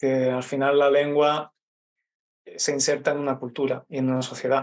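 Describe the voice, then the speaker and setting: A man with an Andalusian accent speaks at a moderate pace. His pitch is fairly high, and his intonation is monotone and flat. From Málaga, Andalusia, Spain. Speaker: Spanish teacher. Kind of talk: interview answer. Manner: casual, conversational.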